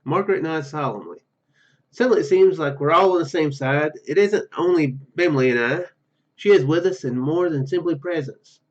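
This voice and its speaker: Higher-voiced man with dull lo-fi sound. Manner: halting, stumbling over words while reading. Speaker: gaming YouTuber. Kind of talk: reading visual novel narration aloud with casual commentary.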